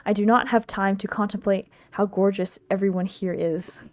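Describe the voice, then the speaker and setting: A woman streamer reading a visual novel aloud on a livestream, expressive and giggly, stumbling over lines and making asides to chat. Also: medium pitch, normal speed. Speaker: streamer, VTuber. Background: game music.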